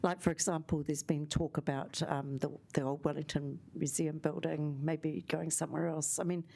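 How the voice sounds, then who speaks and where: A woman's voice: low-pitched, level tone, normal speed, gravelly, darkish tone. A woman councillor asking a question tentatively, thinking aloud as she goes. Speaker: city councillor.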